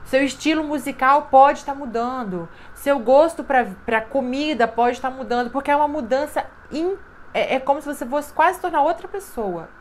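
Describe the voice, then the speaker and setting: A woman's voice: high-pitched, moderate pace, a little hiss or hum. Emphatic woman reading tarot. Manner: emphatic, repetitive, with frequent "né?" and "sabe?". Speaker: tarot reader. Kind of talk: intuitive tarot card reading.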